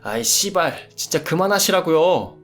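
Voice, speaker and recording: A man voicing an angry adult son who shouts at his father to protect his mother in a radio drama story. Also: sits high, very animated, moderate pace, gravelly, faint music behind, voice pushed up, full character voice. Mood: yelling. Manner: shouting, swearing.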